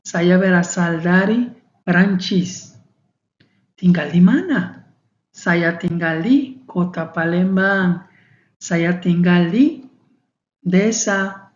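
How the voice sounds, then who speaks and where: Woman, 30s, beginner-lesson teacher, lowish voice, echoey lo-fi room sound. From Mexico. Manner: slow, deliberate drilling with many repetitions. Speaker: foreign student teaching a beginner class. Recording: roomy, dull lo-fi sound.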